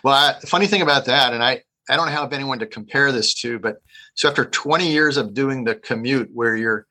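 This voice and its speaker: A man in his sixties, an executive director appearing as an interview guest, speaking in a relaxed, halting way. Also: mid-range voice, rough recording. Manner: relaxed, hesitant with fillers. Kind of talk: casual interview.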